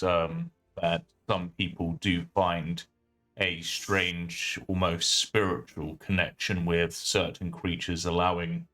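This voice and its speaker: A man at a tabletop roleplaying game, speaking in character in a measured, thoughtful, slightly formal way. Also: sits low, pushed and bright, poor audio. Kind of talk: in-character improvised discussion.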